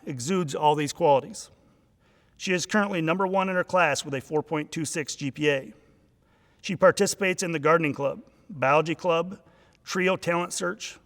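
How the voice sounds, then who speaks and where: School principal guy giving a formal awards speech, slightly high voice, hall echo. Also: fairly bright tone. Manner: formal, praising introduction. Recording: long reverb of a large hall.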